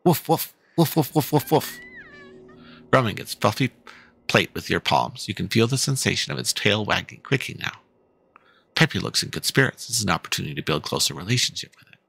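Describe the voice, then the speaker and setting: A man's voice: on the low side, animated, quick pace, vocal fry, bright, forceful tone, breathy edge, no room sound. A man casually reading a game's dialogue aloud, playful and with offhand asides. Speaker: streamer.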